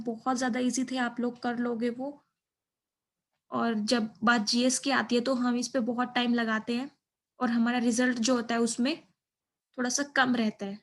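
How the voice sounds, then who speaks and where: A young adult woman giving an informal, reassuring, repetitive explainer as an exam-prep teacher. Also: fairly high pitch.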